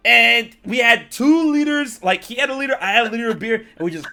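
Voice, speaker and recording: High, bright-voiced young American man. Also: brisk, creaky, slight background noise. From United States. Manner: animated, acts out quotes with loud jumps. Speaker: podcast host. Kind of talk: casual storytelling chat.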